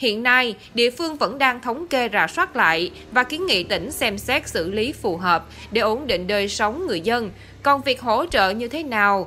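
A woman talks at a fairly slow pace with a fairly high pitch. Her voice moves in very wide pitch swings. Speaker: news reporter. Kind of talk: scripted news narration.

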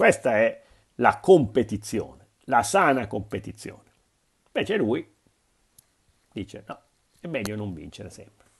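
Somewhat breathy and animated in tone, a man speaks at a fairly slow pace with long, frequent pauses. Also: lively intonation. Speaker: football commentator on YouTube. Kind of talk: angry rant. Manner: sarcastic, indignant; animated, repetitive, mocking. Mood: sarcastic, indignant. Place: home room. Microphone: earbuds.

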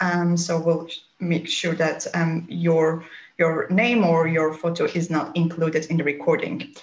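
Her speech moves at a moderate pace. The woman's voice carries audible room echo. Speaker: academic supervisor and seminar chair. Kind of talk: seminar moderation. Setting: video call. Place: home room. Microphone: webcam.

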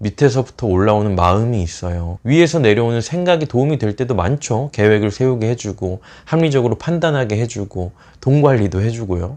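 With a normal speaking voice at a medium pitch, a man talks at a fairly quick pace with lively intonation against a quiet background. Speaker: psychotherapist. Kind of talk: solo video talk to camera. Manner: gentle, warm.

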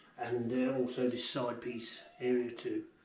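A man's voice with audible room echo. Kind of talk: casual vlog chat. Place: home room. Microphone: camera far.

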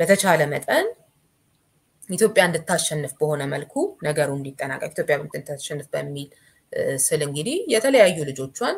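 A woman with a very deep, low pitch sounds somewhat breathy, using lively intonation and big swings in loudness. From Ethiopia. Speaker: political commentator. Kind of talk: political discussion. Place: home room.

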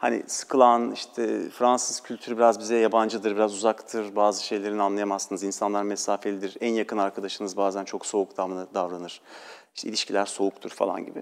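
A man speaks at a fairly low pitch and a fairly quick pace, with hardly any pauses. His intonation is monotone and flat. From Turkey. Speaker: actor; actor, interview guest. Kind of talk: TV interview. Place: studio. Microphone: lapel.

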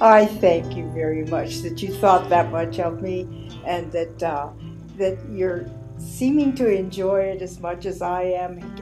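A woman's fairly low voice at a fairly slow pace, with very wide pitch swings, audible room echo and music in the background. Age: 80s+. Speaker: hospice volunteer harpist. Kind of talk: interview.

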